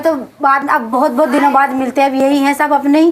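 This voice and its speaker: Over noticeable background noise, a woman talks in a high pitch with monotone, flat intonation. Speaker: housewife, family member. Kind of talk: casual family interview.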